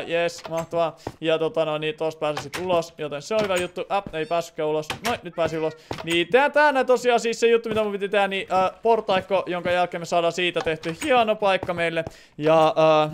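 Man, game streamer, casual play-by-play, playful, chatty, fond of filler words, high pitch. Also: clear, resonant tone. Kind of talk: casual livestream game commentary.

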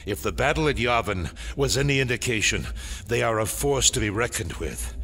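A man playing a brooding, power-hungry dark lord in a sci-fi audio drama, with a theatrical, ominous delivery. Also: mid-range voice, expressive, moderate pace, vocal fry, a little hiss or hum.

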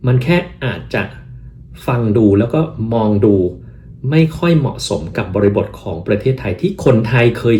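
A man from Thailand talking casually as host, giving advice and acting out replies he would give. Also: fairly low pitch. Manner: animated, acts out quoted replies in English.

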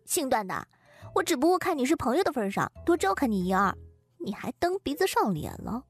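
A woman voicing a pert but caring young female hospital colleague in an audio drama, with a brisk, teasing manner. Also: high-pitched, big pitch swings, husky, soft background music, heavily acted. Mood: mock indignant.

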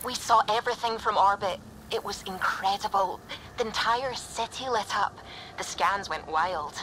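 A woman's voice: mid-range voice, moderate pace, background noise, lightly acted. A woman playing an enthusiastic, awed spaceship scientist in a video game. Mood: amazed.

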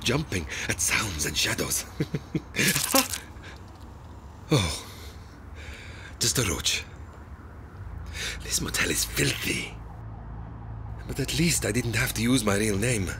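A man's voice: fairly low pitch, expressive, takes it slowly, long pauses, noisy background. An actor playing a weary, wary older man in hiding, muttering dryly to himself in an audio drama. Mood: jumpy, self-mocking.

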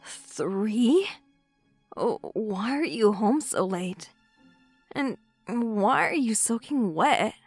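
A woman playing a shy, friendly young bookstore worker in an audio drama, soft-spoken and hesitant. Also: mid-range voice, expressive, very slow, breathy edge, no room sound, soft background music, heavily acted. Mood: concerned.

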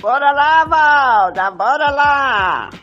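A woman acts a fun-loving, mocking older Brazilian lady in a homemade radio soap. She talks slowly on a muffled recording with faint music behind. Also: high-pitched, lively intonation, a bit bright, exaggerated voice. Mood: eager. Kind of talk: amateur improvised radio soap acting.

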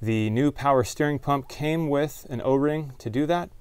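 A man's voice: mid-range voice, moderate pace, a little mellow, smooth, no room sound. A man hosting a DIY car repair video, explaining each step in plain words as he works with his hands. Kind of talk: hands-on tutorial narration, talking while working.

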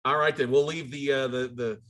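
A man's voice: medium pitch, fairly even intonation, a little fast, a bit bright. An American man in his forties hosting a video-call session in a casual, effusive, rambling and jokey way. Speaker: host of an online conference. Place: indoors, video call with virtual background.

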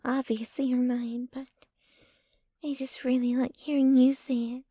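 A woman's voice: high voice, flat delivery, a little slow, mellow, dry recording. A woman playing a jealous, possessive, dominant yet clingy young girlfriend in an intimate, whispery ASMR roleplay, close to the microphone. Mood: needy, possessive. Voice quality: breathy, whispery. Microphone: close microphone, dry.

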